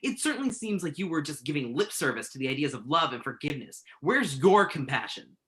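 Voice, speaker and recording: A woman's voice: low voice, sing-song, fairly quick, fairly bright tone. A woman acting the part of an emphatic, wounded male writer in a staged play reading. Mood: indignant, insistent. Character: male writer Tim, pen name Tuck, joking, wounded, insistent.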